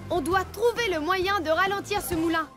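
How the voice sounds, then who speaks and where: Very high-pitched little alien boy hero. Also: moderate pace. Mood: determined. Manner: emphatic, earnest, proclaims slogans. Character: brave little alien boy hero, eager patrol leader. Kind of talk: animated children's cartoon dub. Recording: music behind the voice.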